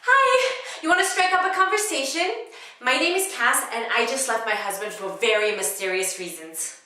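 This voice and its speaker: Woman acting a high, overeager chatty runaway wife. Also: lively intonation, moderate pace, pushed and bright, slight background noise. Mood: giddy, overeager. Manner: overeager, rambling, theatrical. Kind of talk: comedic stage monologue. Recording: echoey home room recording.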